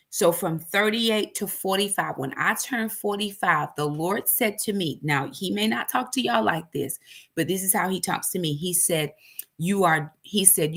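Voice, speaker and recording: A ministry host in her 40s, with a lowish and somewhat bright voice, gives a personal testimony of faith. She tells it emphatically, like a preacher, with lots of repetition.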